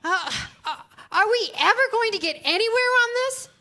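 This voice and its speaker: An imperious studio boss, played by a woman at a staged reading. She is sharp and commanding, with a forceful, bright voice. Her pitch moves animatedly as she bosses people around impatiently. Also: animated, normal speed, heavily acted.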